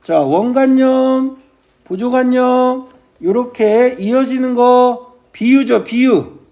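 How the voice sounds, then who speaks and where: High-voiced, gravelly man teaching. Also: a little mellow. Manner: keeps starting with "ja", asks students quick checking questions; recites verse slowly and drawn out. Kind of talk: classroom lecture on classical poetry.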